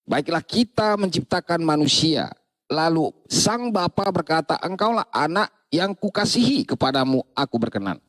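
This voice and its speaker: Lively preachy man debating. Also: on the high side, normal speed, no room sound. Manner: lively, preachy, talks over others, quotes scripture. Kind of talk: heated religious debate.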